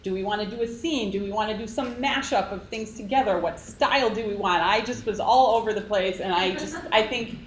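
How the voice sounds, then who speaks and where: A woman's voice: mid-range voice, brisk, few pauses. Hesitant woman presenting in an echoey room. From Israel. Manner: hesitant, frequent ums. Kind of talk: prepared presentation. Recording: echoey room, faint noise.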